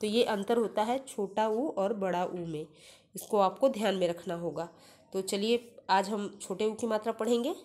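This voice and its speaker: A woman teaching a first-grade Hindi lesson, slowly spelling out each syllable before saying the whole word. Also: medium pitch, a little mellow. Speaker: primary school Hindi teacher. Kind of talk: online class lesson, reading words aloud syllable by syllable.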